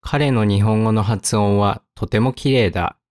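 A man teaching vocabulary, saying each word and example sentence twice, slowly and carefully, then giving its meaning. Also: fairly low pitch, a little mellow, dry recording, clean studio sound. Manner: slow, careful enunciation with repetition. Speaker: Japanese teacher.

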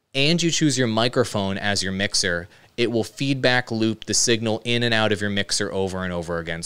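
A man hosts a casual software tutorial, explaining each step. His voice is fairly low and clean, recorded close on a broadcast microphone indoors. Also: clean tone. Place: indoor streaming room. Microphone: close dynamic broadcast microphone with headset monitoring.

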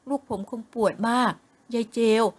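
A woman voicing a fond, doting middle-aged father in an audio novel, speaking slowly. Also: lightly acted. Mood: gentle.

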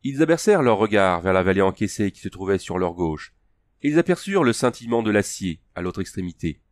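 Low-voiced man narrating an audiobook. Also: very animated, quick pace, no room sound. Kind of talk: scripted narration of a fantasy story.

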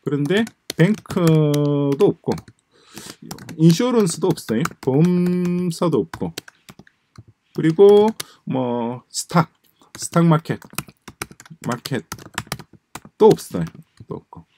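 Lively-voiced man thinking aloud. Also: fairly high pitch, slow pace, long pauses, a little hiss or hum. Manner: musing, repeats phrases, trails off to mumbles. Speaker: presenter explaining a coding project. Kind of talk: screen-share lecture while typing notes. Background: keyboard typing.

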